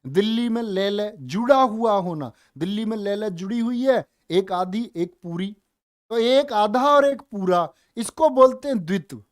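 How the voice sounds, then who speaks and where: A man's voice: sits high, expressive, a little slow, no room sound, studio quality. A man teaching a grammar class online, coaxing and repeating questions to his students. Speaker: Hindi teacher.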